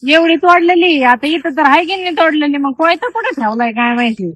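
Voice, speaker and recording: A woman's voice: high-pitched, expressive, a little fast, fairly bright tone, no room sound, low-quality recording. A young woman with a rural Marathi accent talking to herself during farm chores, grumbling and scolding the animals. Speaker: farm housewife vlogger. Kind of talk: casual monologue during chores. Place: rural farmyard outdoors with goats.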